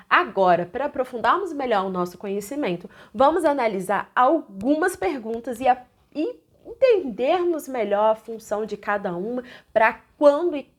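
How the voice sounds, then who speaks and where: A young adult woman with a Brazilian Portuguese accent, an English teacher explaining lessons in an emphatic, lively way. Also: fairly high pitch. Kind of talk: online lesson.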